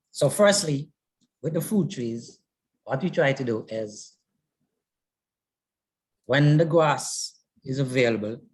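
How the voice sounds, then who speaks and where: Man explaining, mid-pitched voice. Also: a little mellow, slightly rough, rough recording. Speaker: presenter. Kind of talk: step-by-step practical explanation.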